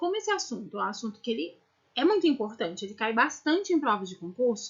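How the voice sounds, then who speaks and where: High-pitched speech from a woman, delivered at a fairly quick pace. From Brazil, Federal District. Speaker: education teacher. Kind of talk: educational tutorial. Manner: fast.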